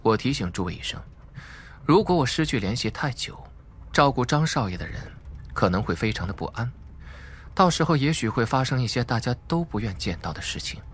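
A man voicing a suave, mocking young businessman in an audiobook, sardonic, smooth in manner and unafraid. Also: medium pitch, sing-song, fairly quick, a bit bright, a little hiss or hum. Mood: cool, threatening. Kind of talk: audiobook character acting.

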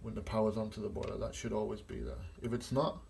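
A gas engineer in middle age runs through a boiler test in a small workshop, recording on a handheld phone and explaining each step plainly. He talks quickly and levelly in a lowish, gravelly, slightly mellow voice, with a little hiss or hum on the audio.

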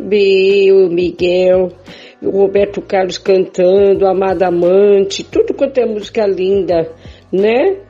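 A woman acts a coaxing older Brazilian sweetheart in a homemade radio soap. Her voice is dark and slightly husky, on a dull recording. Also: mid-range voice. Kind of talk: amateur improvised radio soap acting.

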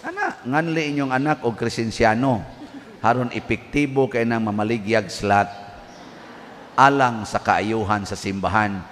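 Cebuano priest joking from the pulpit. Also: male voice, mid-range voice, measured pace. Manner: joking storyteller, animated asides. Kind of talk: humorous homily. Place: large church. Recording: distant voice with long hall reverb, faint background noise.

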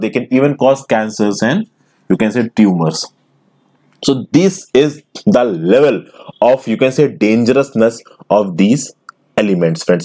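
The speaker is a man with a dark, fairly low voice and an Indian English accent. He delivers a recorded screen lecture, explaining step by step and repeatedly calling his listeners friends.

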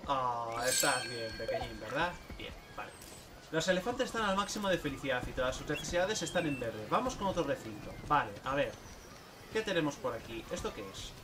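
A man streaming a zoo game, chatting casually and coaxing the animals in a playful, excitable way. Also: a little high, fairly quick, distant mic, noisy background. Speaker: gameplay streamer. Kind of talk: casual gameplay commentary.

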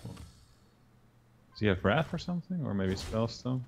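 A young Dutch man with a Dutch accent, talking through a card game as a guest co-player, thinking aloud with quick restarts. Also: mid-range voice, big pitch swings, darkish tone, a little hiss or hum. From Netherlands. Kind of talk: casual game commentary.

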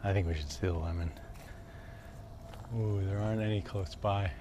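Against a noisy background, a man with a low voice and fairly even intonation speaks at normal speed. He's a wellness vlogger walking down a residential street, arm's-length camera in hand, chatting casually, swearing freely and laughing at himself.

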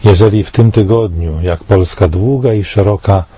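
A man in his sixties from Poland, giving a solemn, measured commentary read to camera in a studio. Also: lowish voice, dark tone, slightly rough, no room sound.

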